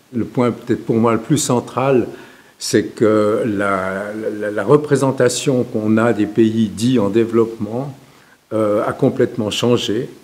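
Here a man talks at a very slow pace. His medium-pitched voice keeps a fairly even intonation. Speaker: economist and retired professor; retired professor. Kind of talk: interview. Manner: halting. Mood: relaxed, smiling, reflective. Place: classroom.

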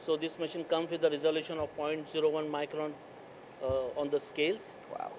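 Delivered at a moderate pace, the speech has monotone, flat intonation against noticeable background noise. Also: man, fairly high pitch for a man. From India. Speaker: machine tool product head. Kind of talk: technical product explanation. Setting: machine shop facility. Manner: halting. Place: shop. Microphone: handheld.

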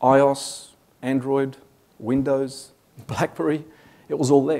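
A man talks at a fairly slow pace with an Australian accent. His tone is dark and mellow. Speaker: technology consultant. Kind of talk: conference presentation. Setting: stage with audience. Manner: halting. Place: hall.

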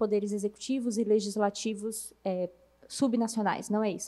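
A woman with a fairly high pitch and a dark, mellow tone, at a moderate pace against a quiet background. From Brasília, Brazil. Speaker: lobbyist, conference speaker; guest. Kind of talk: lecture. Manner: animated. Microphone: handheld.

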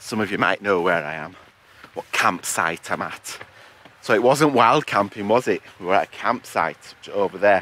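A man talks at a moderate pace and a fairly low pitch with lively intonation. The sound is dry, with no echo. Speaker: hiking vlogger. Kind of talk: casual vlog chat. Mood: cheerful, enthusiastic. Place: open country. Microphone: phone near.

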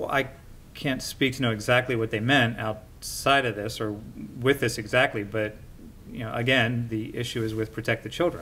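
Fairly even intonation carries this man's speech. He moves at a fairly quick pace. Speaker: witness. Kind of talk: testimony answer. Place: stage.

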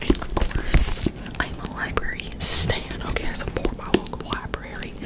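Whispered, soft-spoken speech from a woman, moderate in pace. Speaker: book vlogger. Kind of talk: casual vlog chat. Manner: soft whisper while showing a book. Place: home room. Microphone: studio mic.

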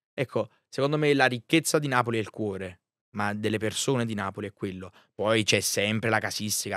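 A man with an ordinary speaking voice and a fairly low pitch talks at a fairly quick pace with ordinary pitch variation, in a dry sound with no echo and a quiet background. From Naples province, Campania, Italy; Campania, Italy. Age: 20s. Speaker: content creator. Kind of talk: interview. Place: studio. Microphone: studio mic.

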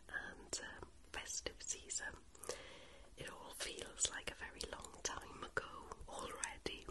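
A woman whispers her words at a very slow pace. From Wales. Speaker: book vlogger. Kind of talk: ASMR book review talk to camera. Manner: soft-spoken. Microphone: handheld.

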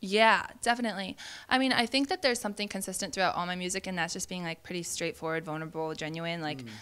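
A woman races along at a very fast pace in a bright, sharp tone. Her intonation is lively and her loudness swings widely. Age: 20s. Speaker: singer. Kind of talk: casual chat. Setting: backstage before a concert. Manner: animated. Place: home room. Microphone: handheld.

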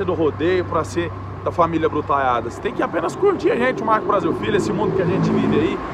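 A man talking at a very fast clip over loud background noise. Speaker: rodeo announcer, YouTube vlogger. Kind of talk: channel intro and greeting to viewers. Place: street. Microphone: phone near.

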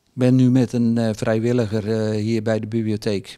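A man's fairly low, dark and mellow voice at a fairly slow pace, monotone and flat, against a quiet background. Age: 60s. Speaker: literacy ambassador. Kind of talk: personal testimony interview. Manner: halting, many filler sounds. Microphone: handheld.

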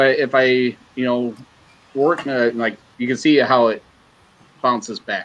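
A man with a Midwestern American accent, slow-paced and monotone with flat intonation, with long, frequent pauses and light background noise. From US Midwest. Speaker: 3D printing and droid-building hobbyist. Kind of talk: casual group chat on livestream. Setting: video call. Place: garage. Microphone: webcam.

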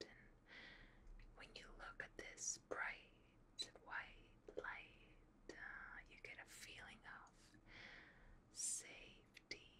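A woman whispers, soft-spoken and soothing in tone, over noticeable background noise. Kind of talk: soft guided relaxation role-play. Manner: soft, slow, soothing near-whisper. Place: home room. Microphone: earbuds.

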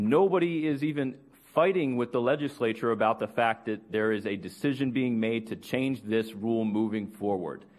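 Lively intonation comes at a moderate pace against a quiet background. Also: man. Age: 30s. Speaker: teachers' union president. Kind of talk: public address. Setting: public meeting room. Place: meeting room. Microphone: podium.

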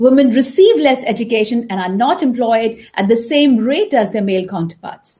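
A woman speaks at a fairly quick pace with a dark, mellow tone, lively intonation and a high pitch against a quiet background. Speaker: panel moderator, leadership coach. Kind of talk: moderated panel discussion. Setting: video call. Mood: warm, smiling. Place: home room. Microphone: video call.

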